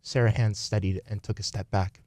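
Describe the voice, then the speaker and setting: Male narrator for a radio play, lowish pitch, scripted storytelling delivery, very dry recording. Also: steady tone, a little fast, a little mellow, no echo.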